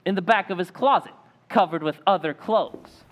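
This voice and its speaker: A man's voice: high voice, moderate pace, lightly acted. A man playing a cocky, taunting young suspect in an old-time radio drama. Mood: triumphant, taunting. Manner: taunting, brash. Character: cocky, defiant young male suspect, out for payback.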